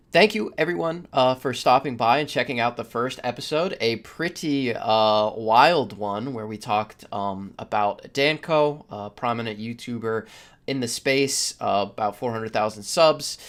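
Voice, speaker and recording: A man hosting a casual podcast, speaking in a halting, stop-start way. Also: medium pitch, a bit bright. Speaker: podcast host.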